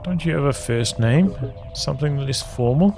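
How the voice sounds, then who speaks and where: A man's voice: medium pitch, normal speed, creaky, darkish tone, soft background music, close to an everyday voice. Man reading as hopeful, reckless woman space scientist. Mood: curious, relieved. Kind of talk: visual novel character reading.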